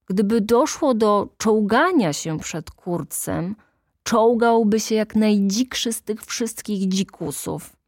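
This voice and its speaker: Slow, measured woman audiobook narrator. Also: medium pitch, darkish tone, no echo, studio quality. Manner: measured, deliberate, dramatic pauses. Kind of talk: literary audiobook reading.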